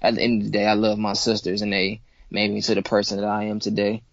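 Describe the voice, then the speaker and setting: A man's voice: lowish voice, completely flat delivery, quick pace, creaky, lo-fi sound. A man in his twenties from Cleveland, chatting casually as a guest in slangy, repeating speech. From Cleveland, Ohio. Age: 20s. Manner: laid-back, slangy, repeats himself. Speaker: guest rapper. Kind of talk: casual interview chat.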